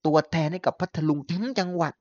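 A man hosting a podcast, chatting casually about politics in an animated way, often laughing and using blunt slang. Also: fairly high pitch, quick pace, dry recording, dull audio. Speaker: podcast host.

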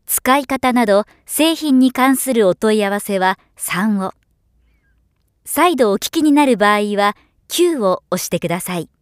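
A middle-aged woman voiceover professional reading scripted narration with polished, clearly articulated delivery. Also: medium pitch, animated, measured pace, no room sound. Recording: dry studio voice recording.

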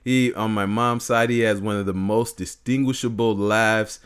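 A man with a big, low singer's voice, co-hosting a relaxed conversation. He circles through restarts before finding his point and laughs easily along the way. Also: normal speed, clean tone. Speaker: podcast co-host, singer. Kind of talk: casual chat.

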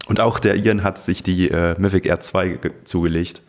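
Male podcast co-host, low-pitched voice, casual conversational delivery. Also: steady tone, normal speed.

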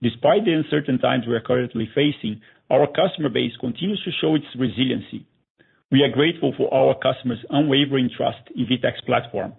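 Gravelly man reading formal financial remarks. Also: mid-range voice. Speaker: company finance executive. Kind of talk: scripted earnings call presentation. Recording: narrow, tinny conference phone line.

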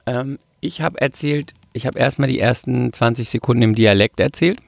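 A man co-hosting a casual comedy podcast. His voice has a noticeable gravelly fry, and he talks in a playful storytelling way, repeating words for emphasis. The sound is close and dry. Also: medium pitch, normal speed, dry recording. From Palatinate, Germany. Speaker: podcast co-host, actor.

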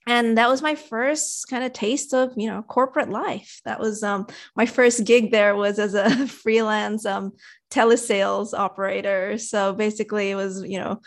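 Upbeat Indonesian-born woman on a call. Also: medium pitch. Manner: articulate, upbeat, laughs easily. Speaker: interview guest, TV producer. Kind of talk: casual interview. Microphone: video call.

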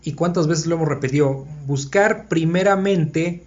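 A man with a fairly high voice teaches a Bible study in an easy, conversational way. He thinks aloud as he goes and often checks that his listeners are with him. The recording is dull and lo-fi. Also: moderate pace.

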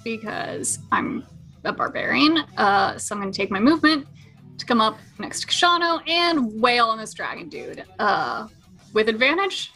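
Woman playing tabletop rpg, bright highish voice, casual, music faintly behind. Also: very animated, normal speed. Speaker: player. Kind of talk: casual tabletop game chat.

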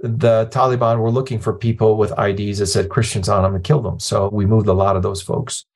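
Lebanese-born man, low plainspoken voice. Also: flat delivery, a little fast, a little mellow. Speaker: nonprofit president, guest. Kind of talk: conversational storytelling interview.

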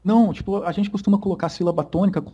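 Laid-back young Brazilian man, high-pitched. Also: fairly even intonation, racing, slightly rough, lo-fi sound. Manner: laid-back, laughs often, slangy. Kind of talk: casual podcast chat.

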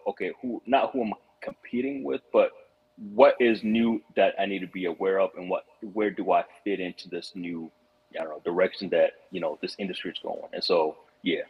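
A man from Rwanda talks through his experiences as a podcast guest, reflective and earnest, often restarting his sentences. His voice sits fairly low and has a breathy, husky edge. The recording is muffled and lo-fi. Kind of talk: casual podcast conversation. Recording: muffled lo-fi audio.

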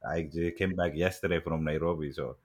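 Middle-aged Somali-accented man, very deep voice, interview guest, halting with restarts. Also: steady tone. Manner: halting, many fillers and restarts. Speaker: guest, agriculture executive. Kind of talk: casual interview talk.

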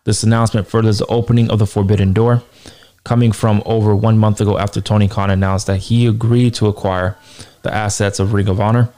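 A man with a hoarse, tired voice reads a wrestling announcement aloud, then gives his opinion with emphatic repetition. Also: on the low side, flat delivery, a little fast, mellow. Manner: emphatic, repeats points for stress. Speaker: wrestling news commentator.

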